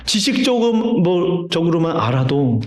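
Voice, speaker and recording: A pastor preaches a sermon in a church sanctuary, telling stories conversationally and posing rhetorical questions to the congregation. His voice is fairly high with big pitch swings at a normal speed, and the recording has roomy church reverb.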